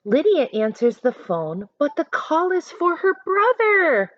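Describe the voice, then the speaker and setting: A woman reads aloud to children as their teacher, in a fairly high and very animated voice. She breaks off for chatty explanations in an expressive, instructive way. The recording is dry and a little dull. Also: a little slow, no room sound. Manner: expressive, instructive, acts out short examples. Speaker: teacher reading a picture book aloud to children. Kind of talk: read-aloud lesson with chatty asides to children.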